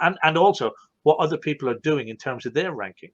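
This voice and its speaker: A man's voice with ordinary pitch variation and a dry, close sound with no echo. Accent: Irish. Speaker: marketing coach and show host. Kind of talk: live online Q&A discussion.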